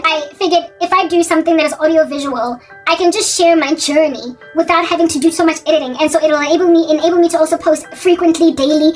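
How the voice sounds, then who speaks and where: South African woman, 40s, high voice, rambling vlog talk, distant mic, faint music underneath. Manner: rambling, often correcting and repeating herself. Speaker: faith vlogger. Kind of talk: casual talking-head monologue.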